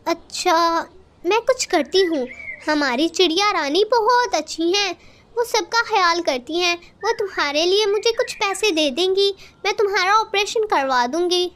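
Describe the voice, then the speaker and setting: A woman's voice: very high voice, expressive, moderate pace, fairly bright tone. Woman voicing a caring, brave sparrow. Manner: caring, firm. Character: kind brave female sparrow.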